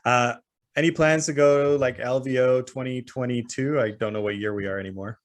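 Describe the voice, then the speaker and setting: A man's voice: medium pitch, fairly even intonation, fairly quick. A man co-hosting a podcast, joking in an easygoing way. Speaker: podcast co-host. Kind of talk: casual podcast banter.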